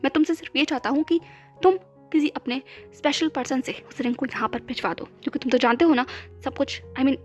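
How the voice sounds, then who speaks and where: A man's voice: very high-pitched, fairly quick, soft background music. A woman voicing a lovestruck young male CEO who pleads and hurries his words. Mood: insistent.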